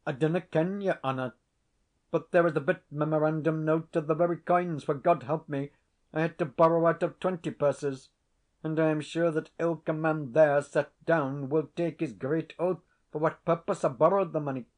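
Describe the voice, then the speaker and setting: A man's voice: a little high, steady tone, moderate pace, darkish tone, pitched above the performer's own voice, close to an everyday voice. A man voicing a desperate, pleading Scottish tenant who speaks in broad Scots dialect.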